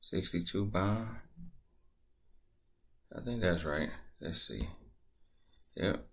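Deep, slow-talking man explaining a tutorial. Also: husky. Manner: laid-back, conversational, thinking aloud. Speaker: crypto tutorial creator. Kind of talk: casual screen-recorded tutorial.

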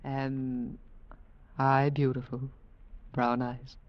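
A woman's voice: very deep voice, completely flat delivery, very slow, heavily acted. A woman playing a cool, seductive, self-assured femme fatale in a 1940s radio drama. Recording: dull vintage radio recording.

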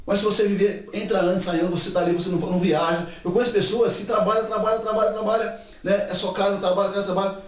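A man's voice: high voice, rapid-fire. A man, chatting to camera in a casual vlog and tagging his sentences with little checks like "right?". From Brazil. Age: 40s. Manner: chatty, animated gestures, many filler tags like "né" and "tá certo". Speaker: YouTube channel host. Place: indoor room before a painted wall. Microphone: camera mic from a few meters away. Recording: echoey room, far from the mic.

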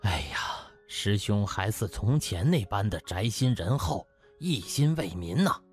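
A man's voice: fairly low pitch, animated, measured pace, breathy edge, faint music behind, pitched below the performer's own voice. A man voicing an effusive, self-assured older hospital director in an audiobook, with exclamatory delivery. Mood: admiring.

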